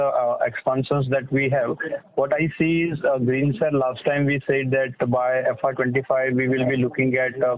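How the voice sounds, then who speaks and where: A man puts questions to management as an analyst. He is courteous but halting, repeating words as he goes, and sounds dry and narrow over a telephone line. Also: mid-range voice, dry recording. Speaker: financial analyst asking questions. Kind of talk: earnings call questioning. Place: telephone conference call.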